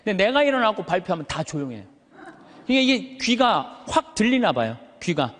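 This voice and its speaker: High, full-voiced male priest in a reverberant hall. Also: very animated, normal speed, a bit bright. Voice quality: high but thick, full voice that carries. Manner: emphatic, uses rhetorical questions and stretched words for effect. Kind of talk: animated motivational sermon to a live audience. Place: large hall, speaking to an audience.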